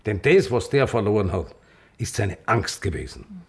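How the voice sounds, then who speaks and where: A man's voice: on the low side, wildly swooping pitch, moderate pace, creaky, slight background noise, full character voice. An actor playing an embittered older Viennese gay man reminiscing in a naturalistic radio drama, speaking emphatically. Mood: bitter, aggrieved.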